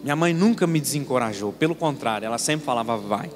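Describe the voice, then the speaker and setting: Long church reverb and faint room ambience surround this expressive, fast-talking preacher with a mid-range voice and slight background noise. He's a man in his twenties from Paraná, Brazil, pastoring in a sanctuary, weaving stories and asking rhetorical questions of the congregation.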